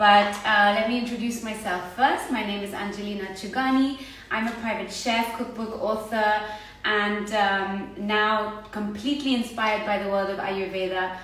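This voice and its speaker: Audible room echo surrounds a delivery that is monotone and flat. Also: woman, moderate pace. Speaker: chef hosting cooking demo. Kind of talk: casual livestream intro. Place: kitchen. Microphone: phone near.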